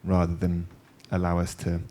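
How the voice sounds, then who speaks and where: A man's voice: deep voice, completely flat delivery, moderate pace, darkish tone. A man moderating a panel discussion, asking questions and telling anecdotes in a thoughtful, loosely phrased way. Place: panel event.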